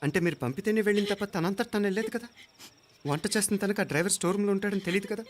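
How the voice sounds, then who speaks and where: An actor playing a stern young hero who firmly questions a servant in a comedy film scene. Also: male voice, high-pitched, racing, lightly acted. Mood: interrogating. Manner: firm, interrogating. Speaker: hero, son-in-law of the house. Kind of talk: dramatic film acting.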